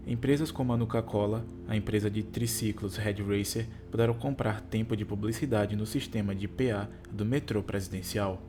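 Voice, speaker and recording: A man's voice: on the low side, steady tone, moderate pace, few pauses. A Brazilian Portuguese-speaking man narrating for online viewers, with a tongue-tied impediment that makes some consonants like R, S, T and L hard to articulate. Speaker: YouTube video narrator. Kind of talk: scripted narration and casual sign-off to viewers. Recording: music behind the voice. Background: music.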